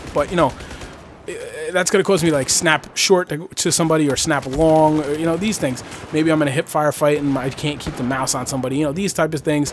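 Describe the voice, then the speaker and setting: An animated man at a fairly high pitch and very fast pace, with music in the background. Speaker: gaming YouTuber. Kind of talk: casual vlog talk to viewers.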